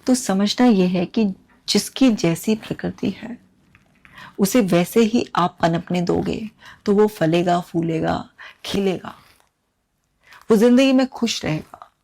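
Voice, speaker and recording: A woman hosting an advice talk, speaking earnestly to viewers with lively emphasis. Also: mid-range voice, takes it slowly, vocal fry, long pauses. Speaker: talk show host.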